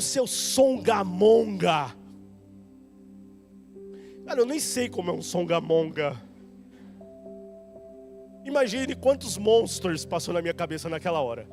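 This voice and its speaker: A man with a Brazilian accent preaching in a church, telling a story in an animated, conversational way and talking directly to the congregation. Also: sits high. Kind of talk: storytelling sermon. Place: church hall.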